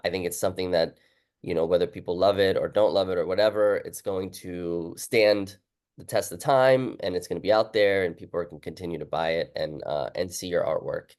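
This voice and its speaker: A man's voice: low voice, fairly quick, a little mellow. A man hosting a casual interview, talking informally and often acting out his own past remarks as he goes. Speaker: interviewer, book author. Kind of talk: casual chat.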